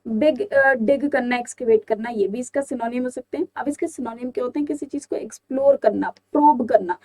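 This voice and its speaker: Indian woman teacher, young, high-pitched, walks learners through words with questions. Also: a little fast, a little mellow. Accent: Indian English. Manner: explains with rhetorical questions. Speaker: English vocabulary teacher. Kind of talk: exam-prep vocabulary lesson.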